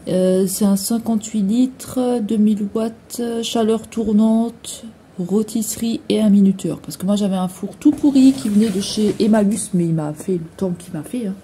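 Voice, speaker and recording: A woman in her thirties rambles chattily through a home vlog in her kitchen, full of fillers and slangy asides. Her voice is mellow and soft-edged, at an ordinary pitch, with a faint hiss of noise underneath. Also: moderate pace. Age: 30s. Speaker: vlogger.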